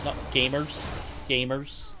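A man's voice: mid-range voice, flat delivery, slow, music in the background. A man giving casual live gameplay commentary as a speedrunning streamer, talking to himself in repetitive, sweary bits.

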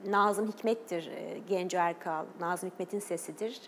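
A woman's voice: lowish voice, normal speed. TV guest, woman, earnest, hesitant fillers, long studio reverb, faint hiss. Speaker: guest, journalist and documentary maker. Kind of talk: TV interview talk.

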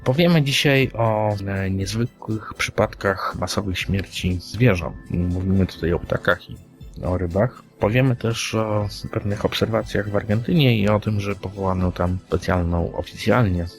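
Male podcast host, deep voice, hesitant phrasing, music bed underneath. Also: moderate pace. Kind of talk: podcast talk on paranormal news. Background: music playing under the voice.

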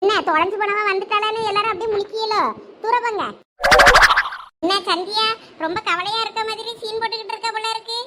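A woman's voice: extremely high pitch, fairly even intonation, fast talker, heavy background noise. A woman playing a scolding family member in a village comedy skit. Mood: taunting.

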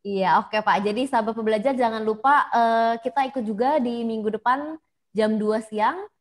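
A woman's voice: on the high side, moderate pace. A woman hosting an online seminar over a video call, politely thanking the speakers and reading out viewer comments. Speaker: seminar moderator. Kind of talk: hosting a webinar.

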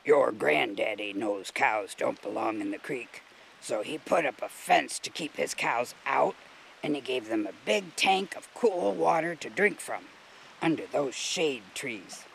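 A man's voice: medium pitch, animated, a little slow, gravelly, fairly bright tone, a little hiss or hum, voice pushed down, low-quality recording. A man voicing a grumbly, knowledgeable male river mussel in a children's storybook, explaining things emphatically. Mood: grumbling.

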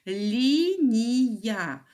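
A middle-aged woman teaches a class of young children. Her voice swoops up and down in a lively, sing-song way, stretching out each key syllable as she explains. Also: fairly high pitch, extremely slow. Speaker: primary school teacher. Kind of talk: recorded lesson for children.

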